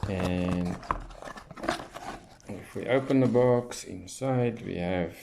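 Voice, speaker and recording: A man's voice: sits low, slow pace, creaky, background noise. A man giving casual, unscripted unboxing commentary, thinking aloud as he reads things off as a hobbyist reviewer. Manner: unscripted, thinking aloud while reading off labels.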